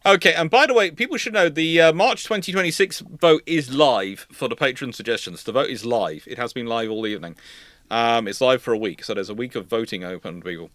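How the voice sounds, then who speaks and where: A man's voice: medium pitch, fairly quick, a bit bright, dry recording, clean studio sound. A British man hosting a casual history question-and-answer stream, rambling and often stammering and repeating words as he explains. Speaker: livestream host.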